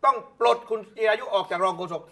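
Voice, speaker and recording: A middle-aged man co-hosting a political talk show, excitable and tripping over his own words as he repeats himself. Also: high-pitched, fast talker. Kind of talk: heated political chat.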